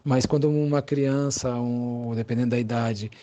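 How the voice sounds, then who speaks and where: A Brazilian man, a psychologist being interviewed, gives conversational explanations in a thoughtful, halting way, searching for his words. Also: mid-range voice, fairly even intonation, dark tone, muffled recording.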